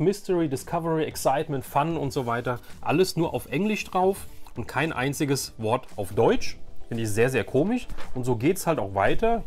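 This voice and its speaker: A man in his forties presents a nostalgic show-and-tell with a medium-pitched voice. He is chatty and informal, repeating words for emphasis, with faint music behind him. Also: a little mellow. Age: 40s. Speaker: YouTube host.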